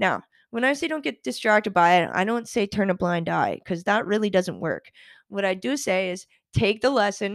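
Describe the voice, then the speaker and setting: A woman talks at a moderate pace and medium pitch in an unremarkable speaking voice with ordinary pitch variation, recorded very cleanly against a silent background with a dry, close sound and no echo. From Canada. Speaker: spiritual podcast host. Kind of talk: solo podcast monologue.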